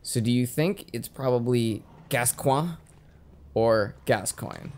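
A man's voice: medium pitch, slow, a little mellow. A man chatting and joking beside a friend who plays a game, drifting into trivia tangents. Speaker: co-host. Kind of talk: casual let's-play banter.

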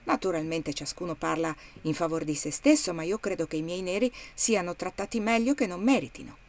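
A woman's voice: fairly low pitch, lively intonation, brisk, a little mellow. A woman reading the part of an indebted, uneasy male plantation owner who speaks curtly and with disgust. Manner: curt, disgusted.

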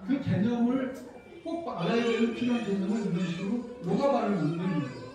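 A man's voice: high-pitched, a little fast, a crowd in the background. A middle-aged man teaching a hands-on workshop as an instructor, informally guiding people step by step. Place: wood-panelled seminar hall, indoors. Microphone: handheld microphone heard over room speakers, recorded from far off. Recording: echoey room, distant muffled mic, background noise.

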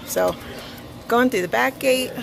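A woman's voice: fairly high pitch, unhurried, creaky. A young woman walking through her house and chatting casually about each room, laughing often and ranting now and then, filmed on a handheld phone. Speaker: vlogger. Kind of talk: casual house tour vlog. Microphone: phone camera held while walking. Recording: noisy home recording.

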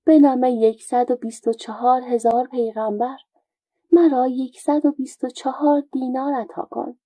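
A sly old joker of folk tales, mock-innocent and plaintive, with a dark, mellow, husky tone, as a woman storyteller puts him on. The sound is dry and close. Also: high voice, fairly even intonation, dry recording, low-quality recording. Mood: wry.

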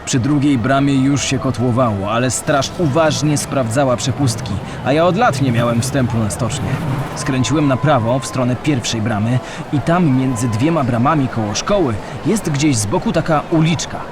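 A man's voice: mid-range voice, normal speed, background noise, lightly acted. An actor playing a plain-spoken male shipyard worker giving first-person testimony in an audio drama. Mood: reminiscing, resolute.

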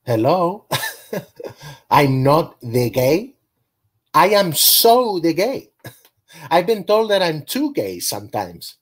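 A flustered gay customer w/ slight hispanic accent, talks slow and trails off. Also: male voice, on the high side, big pitch swings, husky, heavily acted. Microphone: video call.

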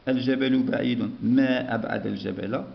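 A man's voice: medium pitch, fairly even intonation, normal speed, vocal fry. A man teaching a primary school lesson, patiently dictating and repeating words. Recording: dull lo-fi recording.

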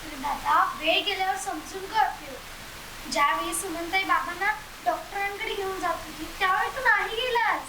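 A woman acting a younger sister who quietly reproaches her brother. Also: very high-pitched, normal speed, echoey room, background noise. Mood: reproachful.

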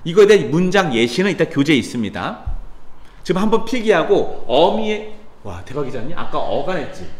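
A man's voice: fairly high pitch, brisk. A man teaching a grammar lesson to students in a casual, chatty way, with asides and exclamations. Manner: lively, chatty teacher addressing students, sudden mutters and exclamations. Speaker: Korean language tutor. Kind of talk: classroom grammar lecture. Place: cram school classroom.

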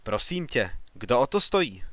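A man's voice: mid-range voice, sing-song, fairly bright tone, dry recording. A man reading a scornful proud father. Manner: scornful, gruff. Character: older male artist, proud, dismissive father.

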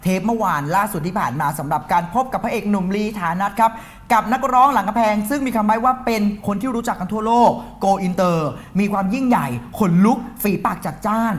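A man's voice: high-pitched, fairly quick, few pauses. A man hosting an entertainment news show, reading the gossip and teasing his co-host in a playful, chatty way. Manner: playful, teasing, uses polite particles. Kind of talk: fast casual showbiz news chat.

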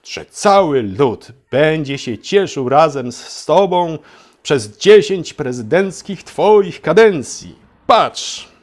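A man's voice: a little high, sing-song, slow pace, pitched above the performer's own voice, full character voice. A man voicing a pompous, imperious little ruler in a satirical storybook tale, declaiming his commands. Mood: grandly approving.

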